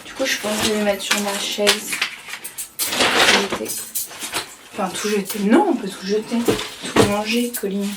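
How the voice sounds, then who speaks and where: A woman's voice: medium pitch, fairly even intonation, unhurried, long pauses, recorded from a distance, very noisy. A woman vlogging casually as she tidies her bedroom, chatty, rambling and poking fun at herself. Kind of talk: casual vlog chat while tidying. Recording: echoey room, voice from off-mic, faint background clatter.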